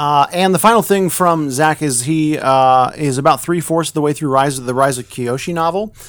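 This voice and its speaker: Speaking with hardly any pauses, a man keeps a moderate pace. His pitch is fairly high, with ordinary variation. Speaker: podcast host. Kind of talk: casual chat.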